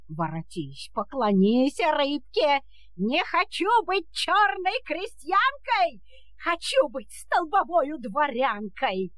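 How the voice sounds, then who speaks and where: An actress playing a greedy, ill-tempered old peasant wife who nags and scolds scornfully in a fairy-tale audio play. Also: female voice, high-pitched, no room sound, exaggerated voice. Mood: angry, demanding. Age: older. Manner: shrewish, nagging, scornful.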